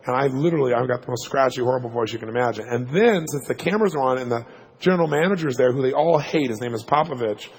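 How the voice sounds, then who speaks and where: A man telling a story to a live audience as a motivational speaker, fast and punchy, checking in with "right?" asides. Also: medium pitch. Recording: long hall reverb.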